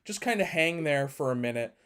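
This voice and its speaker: A man's voice: on the high side, lively intonation, brisk, fairly bright tone, smooth. A man chatting casually in a jokey, easily amused way. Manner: jokey, giggly. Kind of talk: casual chat.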